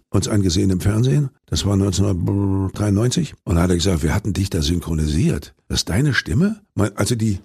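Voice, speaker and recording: An older man, an actor and voice actor, telling stories in an interview in a deep voice, rambling with restarts. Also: a little mellow, no room sound, studio quality. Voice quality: deep, gravelly. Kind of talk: interview answers.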